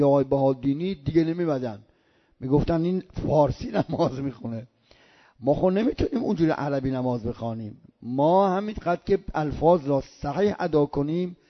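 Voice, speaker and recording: Older man teaching prayer, muffled recording. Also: a little high. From Iran. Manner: slow drawn-out recitation of Arabic sounds. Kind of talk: religious lesson.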